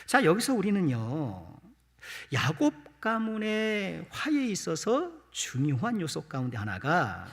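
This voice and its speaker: Male pastor, slightly higher voice, lively ups and downs, Sunday sermon, church reverb. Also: slow. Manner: addresses the congregation with rhetorical questions, light self-deprecating humor. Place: church sanctuary. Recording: long church-hall reverb.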